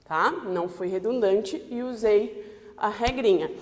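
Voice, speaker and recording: A woman's voice: medium pitch, unhurried, a little hiss or hum. Woman teacher in an echoey room. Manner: explains step by step, checks in with "tá?". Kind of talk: online classroom lesson.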